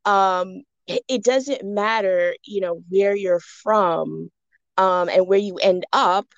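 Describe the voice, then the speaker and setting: A woman's voice: medium pitch, slow, dry recording, dull audio. A young woman from the Bahamas, a jewelry designer interviewed as a podcast guest, talking reflectively with many fillers and restarts.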